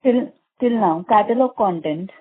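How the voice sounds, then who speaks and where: A woman's voice: mid-range voice, measured pace, breathy edge. A woman asking an investor question as a caller, in hesitant, broken-up phrases. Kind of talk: unscripted investor question on a conference call. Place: telephone call. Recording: narrow phone-like line.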